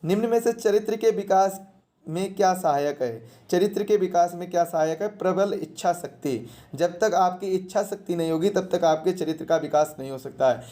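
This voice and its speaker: Mellow exam teacher. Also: medium pitch, normal speed. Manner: didactic, repeats questions and answers, poses rhetorical questions. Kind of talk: question-and-answer exam lesson.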